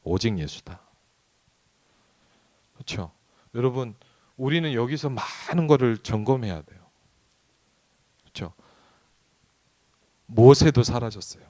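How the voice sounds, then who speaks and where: A man's voice: medium pitch, animated, measured pace, long pauses, dark tone. A man who is a pastor, preaching a midweek sermon in a conversational way and often asking the congregation questions. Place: church sanctuary.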